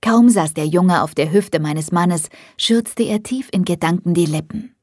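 Calm woman reading an audiobook, kinda husky, very dry close mic. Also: on the low side, measured pace, no echo. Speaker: audiobook narrator. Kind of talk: scripted first-person narration.

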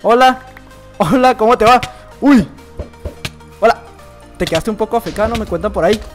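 A man's voice: high-pitched, normal speed, soft background music. A young man giving casual, playful commentary over his own gameplay, teasing opponents as he goes. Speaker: gaming youtuber.

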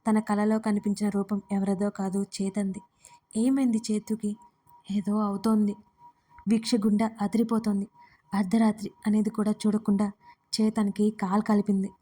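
A woman narrating a romance story in an even, steady reading style. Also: medium pitch, moderate pace.

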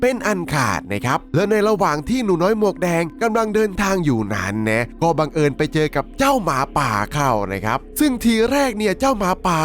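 A man's voice: high-pitched, very animated, fairly quick, hardly any pauses, a bit bright, faint music behind. A man narrating a dramatic horror story recap, conversationally and politely addressing his listeners as he goes. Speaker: storyteller, channel host.

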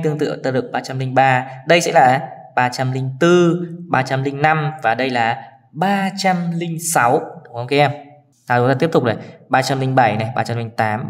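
A man teaching a children's math lesson, counting patiently step by step and often checking in with his pupils. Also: medium pitch.

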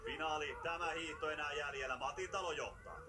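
A man giving live play-by-play commentary on a ski race, getting excited at the finishes. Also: on the high side. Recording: distant, noisy TV broadcast capture.

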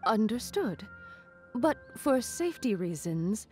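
A woman's voice: fairly high pitch, sing-song, slow, dark tone. A woman voicing a polite, dutiful clerk in a video game, courteous and deferential with careful enunciation. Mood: businesslike. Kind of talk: English video game voice acting. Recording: game audio with music underneath.

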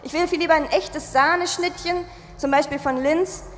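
High-voiced young woman slamming poetry. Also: fairly even intonation, moderate pace, in a large hall, slight background noise. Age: 20s. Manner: playful rhyming delivery with wordplay and self-mocking asides. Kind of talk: poetry slam performance. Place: festival stage.

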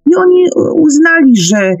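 Slow, halting woman in discussion. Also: high-pitched, very animated, dry recording. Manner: halting, searching for words, hesitant. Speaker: speaker on a paranormal radio discussion. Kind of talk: conversational discussion, explaining at length.

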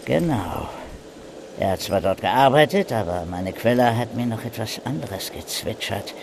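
Actor as sly, greedy German-radio-play informant. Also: male voice, on the low side, lively intonation, measured pace, vocal fry, noisy background. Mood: smug, businesslike. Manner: mocking, cocky, haggling. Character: sly, greedy male police informant nicknamed the Magpie.

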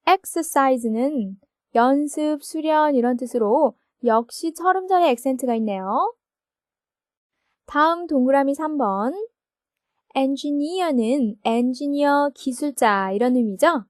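A woman teaching English grammar in a recorded textbook lesson, explaining slowly and checking each point with her listeners. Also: high-pitched, expressive, a little mellow, dry recording, clean studio sound. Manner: slow, explanatory, asks confirming questions.

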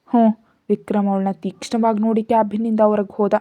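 A woman's voice: mid-range voice, fairly even intonation, brisk, phone-quality sound. A woman narrating a story in a scripted storytelling style, reading every character's lines herself. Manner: reads all characters, raising her voice for dialogue.

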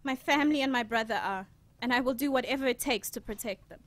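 A woman's voice: on the high side, quick pace, dry recording, close to an everyday voice. A woman playing a troubled, protective young elder sister in an audio drama, earnest, hesitant but determined. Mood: indignant.

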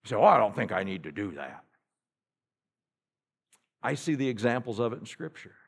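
A man preaching a sermon as pastor, asking his congregation rhetorical questions and reading old-style scripture aloud, his loudness swinging from near-whispers to near-shouts. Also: mid-range voice, sing-song, moderate pace, husky. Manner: reads scripture aloud in King James wording. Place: church sanctuary.

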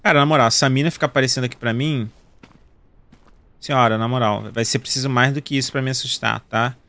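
This man speaks at a quick pace with a steady tone, a medium pitch and a slightly bright quality. He's a Brazilian in his thirties from Rio with a Carioca accent, hosting gaming videos and chatting casually with viewers, joking and using slang while he plays.

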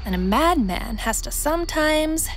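A woman narrating a thriller audio drama in a measured, suspenseful, wry way. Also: high-pitched, expressive, soft background music. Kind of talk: scripted narration.

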